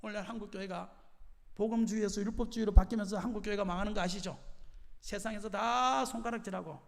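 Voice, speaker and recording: A man's voice: sits high, fast talker, gravelly. A male pastor preaching at a night prayer meeting, joking and firing questions at the congregation. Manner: animated, jokes, quizzes the congregation with questions. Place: church sanctuary. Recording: long hall reverb of a church.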